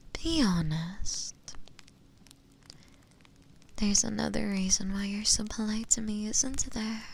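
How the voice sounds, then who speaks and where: A woman playing a seductive, possessive witch in an intimate audio roleplay, sweetly menacing and coaxing, with breathy murmurs that slip into whispers. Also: medium pitch. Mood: whispering, seductive.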